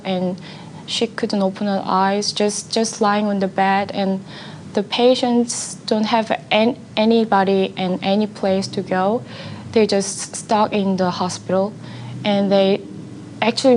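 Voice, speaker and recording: A young woman with a Korean accent, a nursing student speaking English as a second language, telling about her first hospital placement in halting sentences with many pauses for words. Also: mid-range voice, darkish tone, a little hiss or hum, poor audio. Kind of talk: personal account for a university video.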